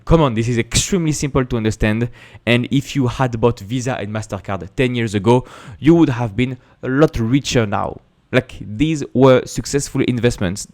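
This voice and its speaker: A man with a French accent, a native French speaker, host of an investing channel, talking to camera in an emphatic way with rhetorical questions. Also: fairly low pitch. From France. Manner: emphatic, repeats words and restarts, rhetorical questions. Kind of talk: casual explanatory talk to camera.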